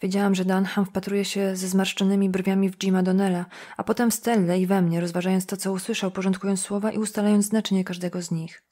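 A woman reading a novel aloud as a first-person audiobook narrator, in a quiet, measured, inward tone. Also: medium pitch, level tone.

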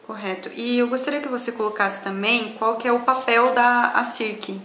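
A woman's voice: a little high, fairly even intonation, normal speed, bright, forceful tone. A woman with a Brazilian accent, asking interview questions as a reporter. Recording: echoey, faint background noise.

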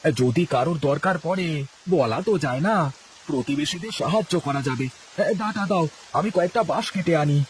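A man voicing a kindly village landlord in a cartoon, who starts his lines with a drawn-out "e-". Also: a little high, lively intonation, a little hiss or hum, close to an everyday voice. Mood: eager. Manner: calls out with a drawn "e-" before lines. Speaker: cartoon voice actor. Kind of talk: dubbed cartoon acting.

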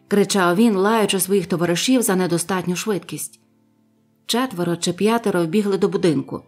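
A woman reading a storybook aloud with lively, expressive narration. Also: lowish voice, breathy edge. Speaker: audiobook reader.

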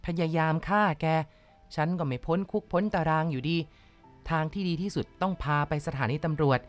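A woman narrating a ghost story in a measured, dramatic storytelling manner. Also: low voice, soft background music.

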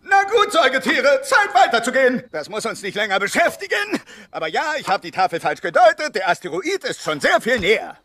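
An actor playing a bossy, sarcastic male weasel adventurer in an audio drama, with a raspy, theatrical voice. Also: very high voice, sing-song, a little fast, bright, forceful tone, no room sound, full character voice.

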